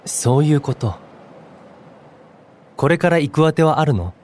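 A man playing a friendly, soft-spoken local in a voice drama, with gentle and easygoing casual speech. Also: a little high, expressive, measured pace. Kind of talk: Japanese voice drama acting.

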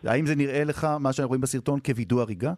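A man's voice: mid-range voice, darkish tone, no room sound, studio quality. A man hosting a radio news program, asking probing questions and linking to reporters with frequent hesitations. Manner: probing, many hesitation fillers. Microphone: studio microphone.

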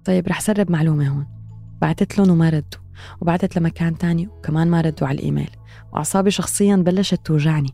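A woman with a Levantine Arabic accent narrates a podcast in a reflective, introspective way. Her voice is low and gravelly and her delivery is quick. Soft music plays behind her. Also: dry recording. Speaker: podcast host. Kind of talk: scripted narration.

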